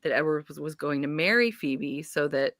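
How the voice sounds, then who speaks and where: Woman, slightly low pitch, lively intonation, emphatic, casual book club chat. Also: moderate pace, no echo, clean studio sound. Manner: emphatic, animated. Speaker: book discussion panelist.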